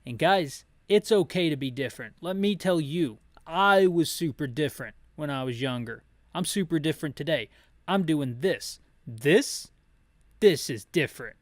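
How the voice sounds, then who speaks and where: A man's voice: a little high, expressive, normal speed, no room sound. Casual, joking man with a dry, close sound. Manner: rambling, joking asides, slangy. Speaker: host of an audio-description game playthrough. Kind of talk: casual playthrough commentary with read-aloud dialogue.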